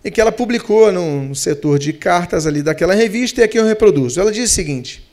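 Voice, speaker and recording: With lively intonation and a high, slightly mellow voice, a male pastor with a Brazilian Portuguese accent preaches. He lingers slowly on key words and speeds through the asides.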